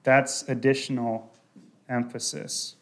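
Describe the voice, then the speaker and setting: A man preaching a sermon, working through a Bible passage in a deliberate way and lifting his voice on quoted scripture. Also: medium pitch, flat delivery, fairly bright tone.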